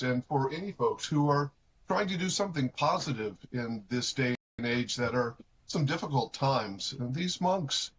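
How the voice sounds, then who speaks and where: A man speaking for a cathedral in a live interview, with a middle-pitched voice. He lays out plans in a calm, measured way, with the odd filler. A faint hiss sits behind him. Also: low-quality recording. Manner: measured and explanatory, with occasional fillers. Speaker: cathedral representative.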